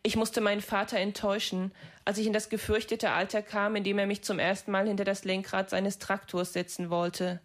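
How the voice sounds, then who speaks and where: A woman reading a literary story aloud, measured and restrained. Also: mid-range voice, flat delivery.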